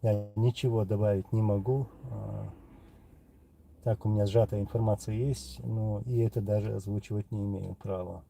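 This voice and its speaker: Casting: Chechen-accented male streamer, low and gravelly, unhurried, reading out viewer questions. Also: fairly even intonation, mellow, a little hiss or hum, low-quality recording. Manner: unhurried, pausing often with filler sounds. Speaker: livestream host answering viewer questions. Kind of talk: casual live chat reading comments.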